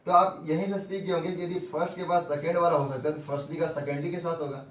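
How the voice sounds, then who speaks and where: A man's voice: fairly high pitch, fairly even intonation, fast. A man giving a whiteboard grammar lesson who keeps asking questions and answering them himself, repeating points. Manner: repetitive, asks and answers his own questions. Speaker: English grammar teacher. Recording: echoey room with faint background noise.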